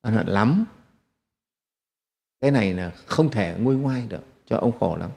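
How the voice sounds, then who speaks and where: A man's voice: lowish voice, animated, moderate pace, gravelly, darkish tone. A man, a Buddhist monk telling a teaching story with rhetorical questions to his congregation. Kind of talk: sermon storytelling. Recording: long hall reverb.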